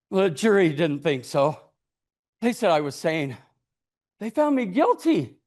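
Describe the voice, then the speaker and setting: A man delivers a tall tale as a speech, with a very lively, swooping pitch. His delivery is deliberate and dramatic, built for storytelling, and he slips into acted voices along the way. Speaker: club storyteller giving a speech.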